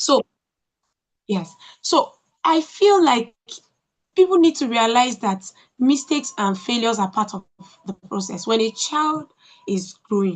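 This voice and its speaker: Her voice fairly high, a woman speaks at a fairly slow pace with very wide pitch swings and long, frequent pauses. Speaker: speaker on women's confidence. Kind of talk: live video interview. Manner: animated.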